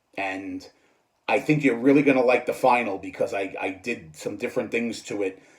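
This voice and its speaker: A man speaks in a New York accent. His pace is moderate and his pitch medium. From US Northeast, New York City. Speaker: scale model builder, hobby video maker. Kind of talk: casual vlog talk to viewers. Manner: casual, hesitant with fillers.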